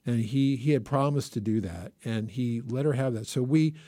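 A man talking casually on a podcast, circling back and restarting his sentences. His voice sits at an ordinary middle pitch. The sound is close and dry, with no room around it. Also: normal speed, warm tone, no room sound. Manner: rambling, restarts often. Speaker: podcast co-host. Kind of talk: casual chat.

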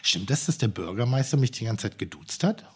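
A man's voice: medium pitch, lively intonation, fairly quick, a little mellow, slightly rough. Rambling man chatting. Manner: rambling, stumbles and repeats words. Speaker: podcast co-host. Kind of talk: casual chat.

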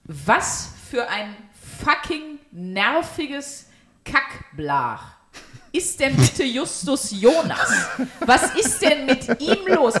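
Blunt, high-voiced woman chatting on a podcast. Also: big pitch swings, drawn-out words, fairly bright tone. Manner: blunt, sweary, exaggerated indignation. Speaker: podcast host. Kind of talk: casual comedic podcast chat.

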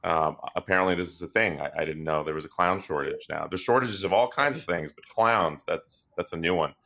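A man speaks casually as a journalist on a panel. His voice is low, with a bright, forward edge. His delivery is halting and deadpan. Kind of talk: casual chat.

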